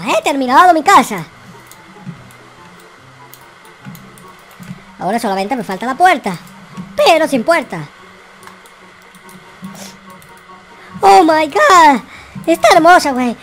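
A performer doing a young, mischievous noob game character with a high, swooping voice. He is excitable and slangy, throwing out exclamations in a Minecraft roleplay, with music behind him. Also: low-quality recording. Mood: pleased. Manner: slangy, exclamatory, sprinkles in English curses.

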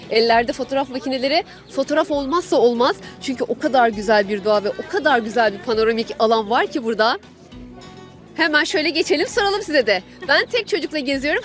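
A woman hosting a travel show, guiding viewers through an outdoor park in an enthusiastic, chatty way. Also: high-pitched. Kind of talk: travel show presenting, part narration.

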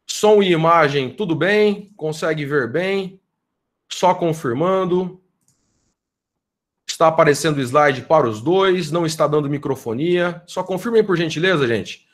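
Effusive Brazilian professor on a video call. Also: male voice, on the high side, unhurried. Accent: Brazilian Portuguese. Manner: effusive, grateful, tags sentences with "né?". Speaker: law professor leading a research group. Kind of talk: informal address to students in an online meeting.

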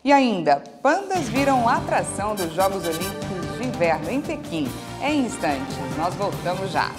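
A woman in her thirties anchoring a live newscast, with a crisp, measured delivery on a lapel mic. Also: mid-range voice, big pitch swings, over music. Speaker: news anchor. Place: outdoor studio set with trees.

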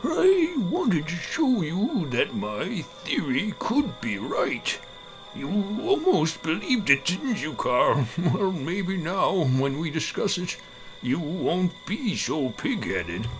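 A man voicing an excitable old doctor in a horror story, theatrical and emphatic. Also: on the high side, slow pace, faint music behind, full character voice, rough recording. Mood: gleeful, gloating. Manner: theatrical, emphatic, pleading or gloating. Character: excitable old male doctor, gleeful prankster turning desperate. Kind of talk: dramatized horror story reading.

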